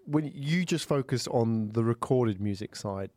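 A man's voice: medium pitch, lively intonation, a little slow, a little mellow, dry recording. A man in his forties hosting an interview, chatting casually, with fillers and friendly prompts. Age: 40s. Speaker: podcast host.

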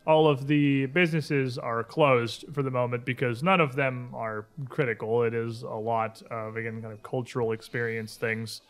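A man's voice: medium pitch, moderate pace, few pauses, clear, resonant tone. A man narrating a tabletop game as game master, describing scenes informally and off the cuff. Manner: informal, descriptive, animated asides.

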